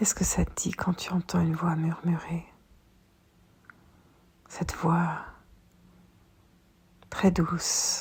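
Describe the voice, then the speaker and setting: Slowly and with long, frequent pauses, a woman speaks in a fairly low, somewhat breathy voice with monotone, flat intonation. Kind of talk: podcast episode. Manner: whispered; soft, slow.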